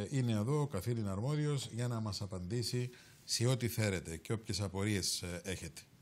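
A man talks at a medium rate, his pitch rising and falling normally. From Cyprus. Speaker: TV talk show host. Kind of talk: TV talk show with phone-ins. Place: studio. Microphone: lapel.

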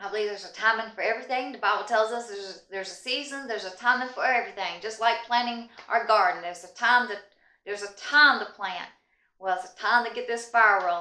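Very fast speech with ordinary pitch variation, audible room echo and a quiet background. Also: woman. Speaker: homesteading vlogger. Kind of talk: casual vlog chat. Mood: happy, warm sign-off. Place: home room.

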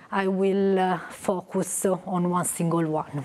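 Her medium-pitched voice carries an Italian accent as the woman speaks. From Italy. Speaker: scientist, professor. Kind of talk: lecture. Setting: stage with audience. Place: hall. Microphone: lapel.

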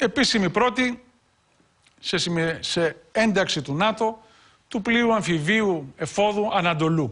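Against a quiet background, a man speaks very slowly at a high pitch with lively intonation. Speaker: journalist and defence analyst; journalist, defence analyst. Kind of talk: solo commentary broadcast. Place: studio.

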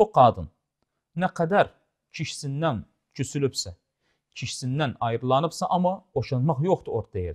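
A man speaks at a moderate pace in a fairly high, somewhat breathy voice. His pitch swings very widely against a quiet background. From Iraq. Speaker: lawyer and TV legal show host; lawyer, TV legal show host. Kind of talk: educational legal talk show with call-ins. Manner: halting, many filler pauses. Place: studio. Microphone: lapel.

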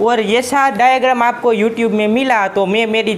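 A high-pitched man with a Gujarati accent at a fairly slow pace, over light background noise. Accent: Gujarati-accented Hindi. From Gujarat, India. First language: Gujarati (speaking Hindi). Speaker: electronics YouTuber, electrical engineer; electronics YouTuber. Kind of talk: tutorial. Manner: halting. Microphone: phone near.

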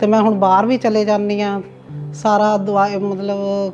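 A woman's medium-pitched, flat, monotone voice over background music. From Ludhiana, Punjab, India. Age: 50s. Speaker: patient giving testimonial. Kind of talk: patient testimonial to camera.

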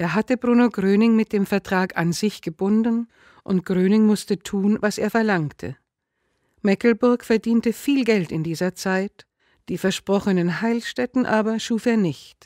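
A woman's ordinary speaking voice at a medium pitch with ordinary pitch variation, dry and close with no echo, in a very clean recording with a silent background. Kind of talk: audiobook narration. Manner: steady, measured, formal storyteller's delivery.

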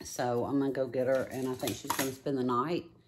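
A woman's very deep, low voice against noticeable background noise. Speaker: makeup vlogger. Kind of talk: casual vlog chat. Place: home room. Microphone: phone near.

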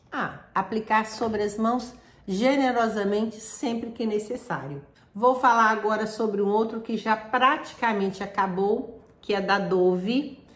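A woman's fairly slow speech with fairly even intonation and audible room echo. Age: 60s. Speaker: beauty vlogger. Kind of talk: product review tutorial; casual vlog chat. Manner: casual. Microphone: phone near.

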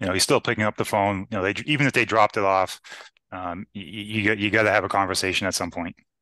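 A man's fairly low, bright, sharp voice at a very fast pace with fairly even intonation and a dry sound with no echo. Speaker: auto repair shop owner. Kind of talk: live webinar panel discussion. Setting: video call webinar. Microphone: headset.

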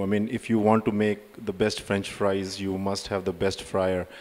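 Flat and monotone in intonation, a man speaks at a fairly low pitch. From India. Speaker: kitchen equipment supplier; speaker. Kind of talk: conference talk. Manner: hesitant, many fillers. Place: hall. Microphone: handheld.

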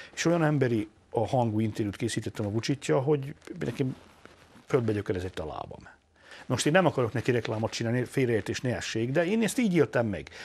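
Somewhat breathy, a man rushes along at a very fast pace with lively intonation. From Serbia. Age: 50s. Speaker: radio journalist. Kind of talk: interview. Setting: studio. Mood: reflective, animated. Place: studio. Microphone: lapel.

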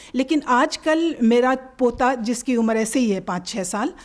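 Lively intonation at a fairly slow pace against a quiet background. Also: woman. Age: 60s. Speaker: author and professor; professor. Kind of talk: talk to an audience; interview answer. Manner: halting. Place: studio. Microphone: podium.

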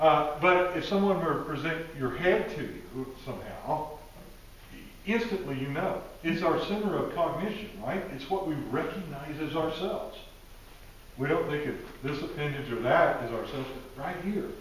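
Delivered at a moderate pace with long, frequent pauses, the speech carries strong room echo and light background noise. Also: man, ordinary pitch variation. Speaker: lecturer. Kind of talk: lecture. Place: classroom.

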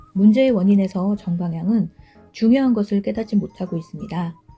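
Over music in the background, a woman talks at a moderate pace in a medium pitch. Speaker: tarot reader. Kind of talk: educational tarot card explanation. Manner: soft, whispery.

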